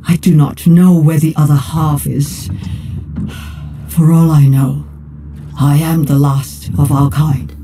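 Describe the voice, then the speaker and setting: An actress voicing a wise female bird-like robot warrior who speaks in a calm, measured way, in a film soundtrack. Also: deep voice, a little hiss or hum. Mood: solemn. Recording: film soundtrack with music underneath.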